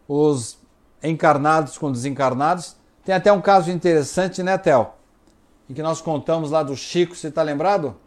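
A man answering viewers' questions on a talk show, speaking in a measured, halting way and often repeating words while he thinks. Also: high-pitched, a little mellow.

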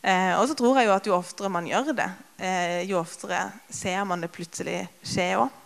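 A woman in her thirties preaches in a relaxed, conversational way, often pausing on filler sounds. She grows lively when retelling moments from daily life. Her voice carries the long reverb of a large church hall. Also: on the low side, creaky. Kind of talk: sermon with personal stories.

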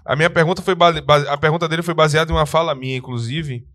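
A man from Brazil who co-hosts a laid-back podcast. He reads viewer messages and answers them earnestly, speaking with conviction. His voice sits a little high for a man. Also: steady tone, fast, a bit bright. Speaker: podcast co-host. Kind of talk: casual podcast chat, reading viewer messages.

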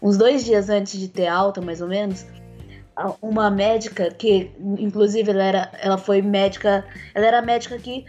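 A woman whose voice is still a little rough, telling her own story in an earnest, halting way with many restarts. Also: medium pitch, steady tone, darkish tone, dull audio, faint music behind. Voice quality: voice still rough since a tracheostomy. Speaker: interviewee. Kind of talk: personal account in a conversation.

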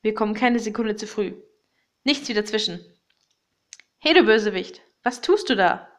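A woman's voice: mid-range voice, steady tone, a little fast, lightly acted. A woman playing a plucky detective who narrates a children's audio story in a dramatic, conspiratorial way. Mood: alarmed, indignant. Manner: conspiratorial, dramatic, addressing young listeners directly. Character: excitable, plucky male detective Otto, leading young sleuths.

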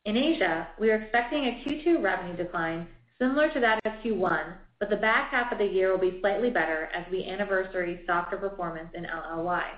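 A woman's voice: medium pitch, fairly quick, few pauses. A woman reading prepared financial remarks in a formal, scripted way, as a company executive on an earnings call. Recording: dull, roomy conference call audio.

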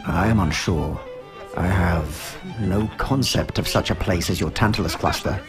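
An actor voicing a gravely literal, courteous alien outsider with formal, stilted, deliberate speech in a science fiction audio drama. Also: male voice, low-pitched. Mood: solemn, uncertain. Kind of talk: dramatic acting. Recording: loud music behind.

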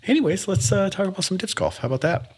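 A man hosting a podcast in casual chat, joking and animated, laughing often. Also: sits high, rapid-fire, a little hiss or hum. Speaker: podcast host.

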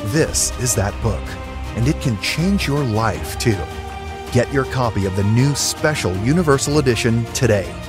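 A man reading a scripted book advertisement in a smooth promotional delivery. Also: mid-range voice, animated, moderate pace. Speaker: ad announcer. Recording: music bed behind.

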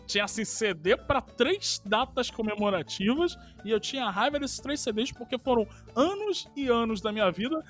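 High-voiced joking Brazilian man. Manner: profane, joking, excitable. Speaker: podcast co-host. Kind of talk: casual chat.

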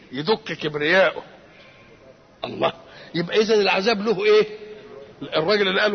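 A man's voice: high-pitched, gravelly, a bit bright, husky, in a large hall. An older man with an Egyptian Arabic accent giving a Quran commentary lecture, who keeps asking rhetorical questions and answering them himself. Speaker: religious scholar.

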